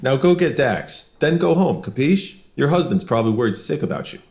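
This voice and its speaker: An actor playing an easygoing, wisecracking police officer who keeps the peace, in an audio drama with colloquial, teasing dialogue. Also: male voice, mid-range voice, very animated, fairly quick, a little mellow. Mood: wry. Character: easygoing male cop, wisecracking peacemaker among colleagues.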